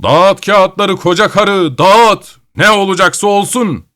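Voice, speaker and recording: A man voicing a hot-tempered old Cossack grandfather who shouts and curses. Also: a little high, lively intonation, normal speed, voice pushed up. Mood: defiant. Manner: shouting and cursing. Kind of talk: storytelling.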